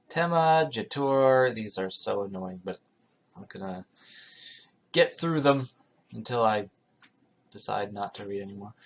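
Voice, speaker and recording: A man's voice: mid-range voice, a bit bright. A man reading scripture aloud in a casual way, with wry, irreverent, sarcastic asides of his own.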